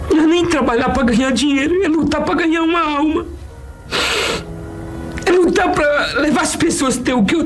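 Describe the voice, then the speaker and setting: A woman tells her faith story with fervent, tearful emotion, often slowing down. Her voice is somewhat high, with faint music playing beneath. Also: low-quality recording. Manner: tearful, fervent, slow in places. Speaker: testimony speaker. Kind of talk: emotional personal testimony. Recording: soft music underneath.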